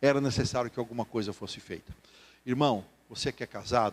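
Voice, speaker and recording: A man talks at a moderate pace. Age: 60s. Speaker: retired pastor. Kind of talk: sermon. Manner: animated.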